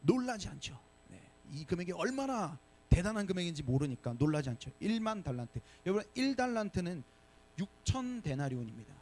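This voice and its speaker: A male pastor preaching a sermon to young adults in a church, lively and often asking the congregation questions. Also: high voice, brisk. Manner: animated, asks the congregation questions. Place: church sanctuary.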